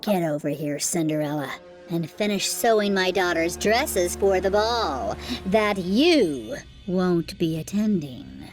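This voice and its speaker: A woman voicing a cruel, sneering bully from Cinderella's stepfamily in an animated fairytale, taunting with drawn-out insults. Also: on the low side, over music. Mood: bossy, sneering. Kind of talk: animated fairytale storybook acting.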